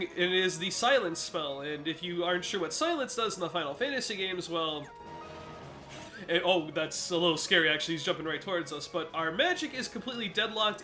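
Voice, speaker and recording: A man's voice: high-pitched, bright, forceful tone. Congested young man explaining a boss fight. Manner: explanatory, guiding viewers step by step. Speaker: gaming commentator. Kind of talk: let's play commentary.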